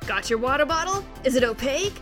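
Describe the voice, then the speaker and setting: A woman hosts a comedy show with upbeat, scripted delivery. Her voice sits fairly high, with a little music underneath. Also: expressive, quick pace, a bit bright. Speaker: comedy host. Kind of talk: upbeat scripted sketch hosting.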